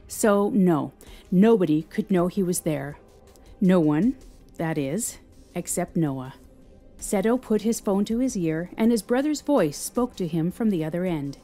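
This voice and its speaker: A woman's voice: on the low side, animated, a little slow, warm tone, faint music behind. A woman narrating a scripted story as the narrator of an audio drama.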